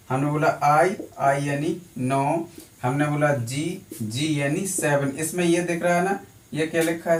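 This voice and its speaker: A male teacher giving a classroom lecture, drilling students with repetitive question-and-answer. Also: a little high. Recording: echoey room from a distance.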